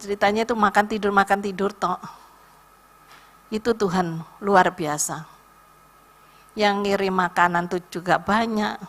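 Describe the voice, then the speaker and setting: An older woman with an East Javanese accent, giving a lively casual testimony at a church prayer visit. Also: mid-range voice, unhurried, pauses often. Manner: lively storytelling, acts out voices.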